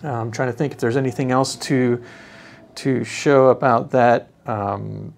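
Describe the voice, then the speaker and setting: A man giving a casual, unscripted product demonstration, speaking haltingly as he thinks aloud. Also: medium pitch, fairly even intonation, vocal fry.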